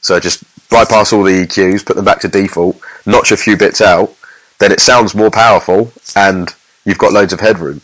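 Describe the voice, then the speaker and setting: A man's voice: low-pitched, fairly even intonation, normal speed, fairly bright tone, poor audio. A man co-hosting a podcast as a mix engineer, giving casual technical explanations in an informal, rambling way full of examples.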